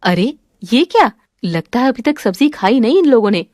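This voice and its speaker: A woman's voice: a little high, very animated, normal speed, a little mellow, no echo, studio quality. A woman voicing a strict, commanding mother-in-law who scolds her daughter-in-law. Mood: stern.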